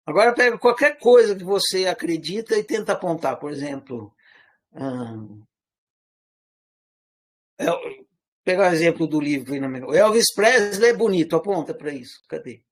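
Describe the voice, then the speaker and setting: High-voiced man with a mineiro-caipira accent. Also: lively intonation, normal speed, pauses often. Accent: Brazilian Portuguese, part Minas Gerais, part rural caipira. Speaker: teacher. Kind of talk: informal spoken lecture.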